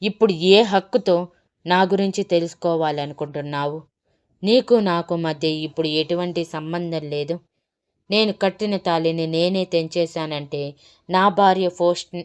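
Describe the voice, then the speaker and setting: A woman's voice: on the low side, normal speed, smooth, close to an everyday voice. A woman narrator voicing an enraged, arrogant young husband who hurls scornful accusations. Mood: furious.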